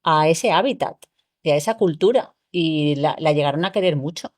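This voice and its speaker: A middle-aged woman, a lawyer, speaking in a measured way in a podcast interview. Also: sits low, a little mellow, no room sound, clean studio sound.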